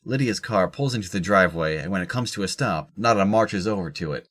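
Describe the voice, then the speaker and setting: Deep low voiced narrator reading out the action for an audio drama. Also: animated, brisk, fairly bright tone. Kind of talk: scripted narration of stage action.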